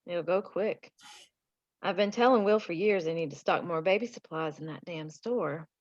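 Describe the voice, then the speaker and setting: A woman's voice: fairly low pitch, normal speed, darkish tone, no room sound, lo-fi sound, natural voice. A woman playing a folksy, chatty married townswoman from a mining town in a screenplay table read. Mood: friendly.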